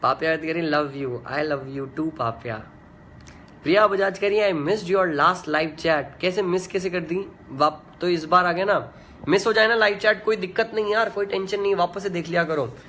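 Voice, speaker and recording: Laid-back young man, slightly high voice. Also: moderate pace, a bit bright, slight background noise. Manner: laid-back and chatty, full of "yaar" and "matlab" fillers. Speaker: singer hosting a fan live chat. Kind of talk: casual live chat, reading out fan comments.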